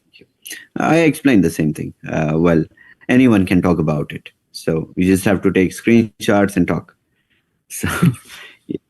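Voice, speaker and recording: Low-voiced guy hosting a call, relaxed, short answers, dry sound. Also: unhurried, long pauses, no room sound. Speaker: host. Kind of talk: online update call.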